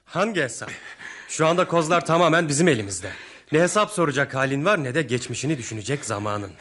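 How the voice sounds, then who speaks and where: An actor playing a mocking, threatening black-market gangster in a radio drama. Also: male voice, medium pitch, lively intonation, fast, a bit bright, close to an everyday voice. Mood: mocking menace. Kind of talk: Turkish radio drama acting.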